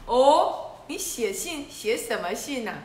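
A woman's voice: sits high, sing-song, slow pace, darkish tone, roomy sound, a little hiss or hum, heavily acted. A woman voicing a kind male giraffe in a children's story, cheerful and surprised.

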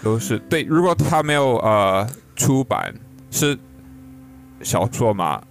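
A man's voice: medium pitch, very animated, a little slow. A man co-hosting a casual chat, joking lightly, with hesitant phrasing and repeated little confirmations. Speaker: podcast co-host. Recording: guitar music behind the voice.

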